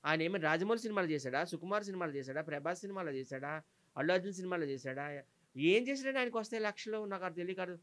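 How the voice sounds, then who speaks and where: Fast, indignant man. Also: high voice, a bit bright. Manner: indignant, rapid, emphatic listing. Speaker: interviewee. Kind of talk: heated interview complaint.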